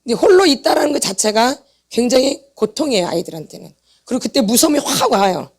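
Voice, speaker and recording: High-pitched woman preaching emphatically. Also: sing-song, quick pace, husky. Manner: emphatic, repeats points and quizzes the audience for answers. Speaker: pastor's wife teaching a healing seminar. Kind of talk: church seminar preaching. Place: church meeting hall.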